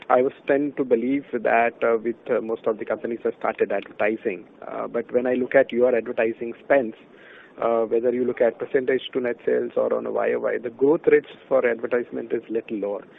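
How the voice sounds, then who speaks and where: A man's voice: medium pitch, steady tone, brisk, creaky. A man asking questions as an analyst on a conference call, hesitant and repeating words as he starts. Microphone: phone. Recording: tinny, noisy phone line.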